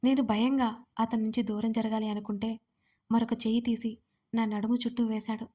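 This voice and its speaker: Female storyteller, higher voice held flat and even, first-person romance narration, steady reader's pace. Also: normal speed. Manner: narrates as the heroine, speaking her own lines in quotes.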